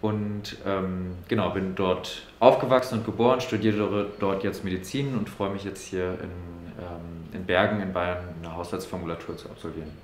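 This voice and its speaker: Junger Mann, tiefe Stimme, halliger Raum. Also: male voice, deep voice, steady tone, normal speed, few pauses, reverberant, slight background noise. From Berlin, Germany. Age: 20s. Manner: thoughtful, many fillers and restarts. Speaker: medical student. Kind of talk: interview answers. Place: room in a doctor's practice.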